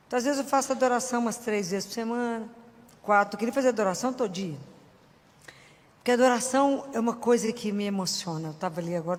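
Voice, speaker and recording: Earnest high-voiced woman preaching in a hall. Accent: Brazilian Portuguese. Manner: earnest, emphatic, conversational preaching. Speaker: Catholic preacher. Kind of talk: sermon.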